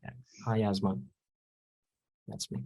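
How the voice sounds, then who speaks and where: A man from Russia, a teacher, introducing himself in a relaxed way on a video call. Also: low voice, slow, vocal fry, slightly rough.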